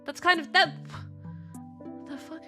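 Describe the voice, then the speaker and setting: A woman streamer chatting casually with her audience. She is excitable and swings between loud squeals and soft mumbles. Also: extremely high pitch, measured pace, over music. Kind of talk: casual live-stream chat.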